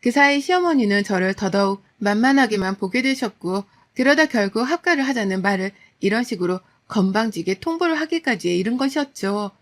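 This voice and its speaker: A woman in her thirties narrating a first-person story in a steady, aggrieved, confiding tone. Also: medium pitch, a little fast, few pauses. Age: 30s.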